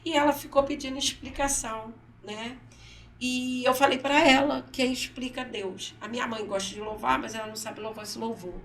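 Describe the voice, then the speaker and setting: A woman's voice: a little high, steady tone, normal speed, fairly bright tone, reverberant, distant mic, a little hiss or hum. A mother telling a personal story in an interview. She acts out her son's words and often repeats herself. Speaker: guest, mother. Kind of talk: emotional personal testimony in interview. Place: council studio.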